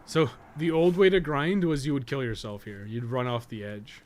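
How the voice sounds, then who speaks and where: A man's voice: medium pitch, fairly even intonation, moderate pace, darkish tone. A man giving casual, rambling game stream commentary with a jokey, sometimes profane manner. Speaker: podcast co-host and game guide maker. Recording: clearly noisy background.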